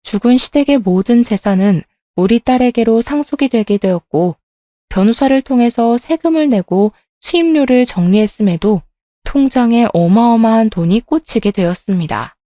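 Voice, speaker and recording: A woman narrating a first-person story in a steady, indignant, scripted reading. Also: on the high side, normal speed, no echo, clean studio sound.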